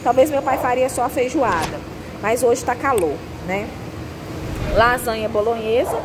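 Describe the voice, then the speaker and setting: A woman's voice: on the high side, expressive, unhurried, noisy background. A Brazilian woman hosting a cooking channel, walking along a restaurant buffet and explaining the dishes in a chatty, instructive way, recorded on a handheld phone. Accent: Brazilian Portuguese. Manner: chatty and instructive, checking in with viewers. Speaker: restaurant owner's family and cooking channel host. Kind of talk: walkthrough vlog of a buffet. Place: indoor self-service restaurant buffet. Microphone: handheld phone while walking. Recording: restaurant ambience behind the voice.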